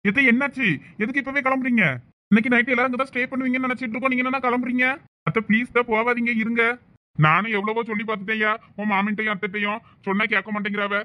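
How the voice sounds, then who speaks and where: A man's voice: very high-pitched, flat delivery, rapid-fire, sharp tone. A man voicing a flustered young village husband in a comic cartoon family drama, with a Thoothukudi Tamil accent and a pleading, coaxing manner. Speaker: cartoon voice actor.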